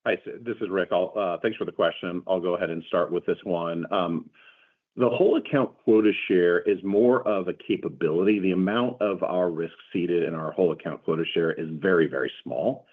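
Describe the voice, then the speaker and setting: A man answering questions as a company executive on an earnings call, in measured corporate explanation. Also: low-pitched. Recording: muffled phone-like conference call line.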